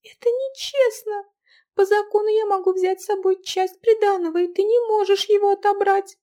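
A woman voicing a hot-tempered, stubborn young woman who shouts her lines shrilly in an audiobook. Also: extremely high pitch, steady tone, normal speed, pitched above the performer's own voice. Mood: angry.

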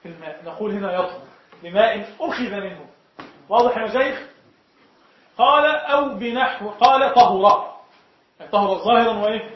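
A man with an Egyptian Arabic accent leads a classroom lesson on jurisprudence and keeps asking the class whether each point is clear. His voice sits high. The recording is dull and lo-fi, with heavy echo from the lecture room. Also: fast talker, pauses often. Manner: explains point by point, often asks the class if it is clear. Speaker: sheikh teaching Shafi'i jurisprudence.

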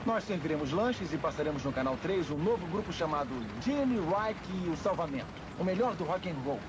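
An actor playing a wisecracking pilot giving an airline passenger announcement in a dubbed film, over noisy engine ambience. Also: male voice, a little high, animated, brisk, close to an everyday voice. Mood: mock formal. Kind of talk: airport-style passenger announcement.

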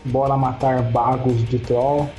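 A man's voice: mid-range voice, little pitch movement, takes it slowly, dark tone. A young Brazilian man with a Brazilian Portuguese accent, co-hosting a podcast in casual, joking chat and swearing freely. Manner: jokey, swears freely, laughs a lot. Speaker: podcast co-host. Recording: roomy echoey home recording. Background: faint guitar music.

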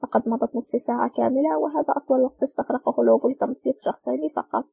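A woman reading the lines of a smug, soft-spoken male villain boss in an audiobook, sly and mocking. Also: very high-pitched, steady tone, rapid-fire, vocal fry, breathy edge, highs cut off, heavily acted.

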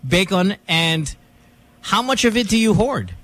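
A man hosting a casual morning radio call-in show, quick and jokey, teasing the callers. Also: sits high, lively intonation, a bit bright.

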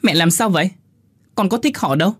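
Một người đàn ông đóng một cô gái trẻ u sầu, nói gay gắt giọng cao trong truyện kể. Âm thanh khô, gần. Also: male voice, high voice, animated, normal speed, slightly rough, dry recording, pitched above the performer's own voice. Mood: angry. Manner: sharp raised outbursts. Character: young woman, grieving and angry.

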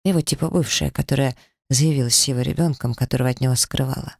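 A man's voice: medium pitch, fairly even intonation, fast, gravelly, no room sound, clean studio sound. A man voicing a young woman who gossips mockingly in an audiobook. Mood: gossiping. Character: young female gossip, chatty and scornful.

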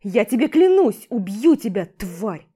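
A woman reading an audiobook voices an aggressive male boxer soldier who taunts and shouts threats. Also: high voice, big pitch swings, normal speed, pitched above the performer's own voice. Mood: furious.

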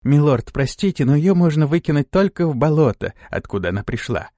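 A man voicing a dutiful female servant in an audiobook, speaking in a quiet, lifeless, slow voice. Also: on the high side, very animated, dry recording, clean studio sound. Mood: solemn.

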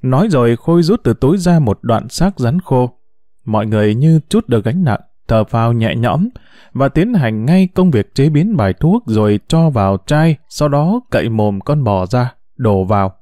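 Expressive male storyteller, warm and lively. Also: mid-range voice, normal speed, no room sound, clean studio sound. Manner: expressive, emotive. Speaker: narrator. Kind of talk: storytelling narration.

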